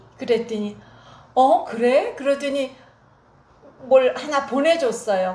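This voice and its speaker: Over noticeable background noise, a woman talks at a fairly slow pace. Her pitch is high. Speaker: professor. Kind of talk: interview answer.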